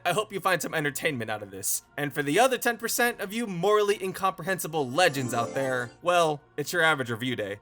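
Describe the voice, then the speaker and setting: A man's voice: high voice, bright, forceful tone. A man hosting a scripted online review, narrating with sardonic, irreverent comic commentary and crude joking. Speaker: video host and reviewer.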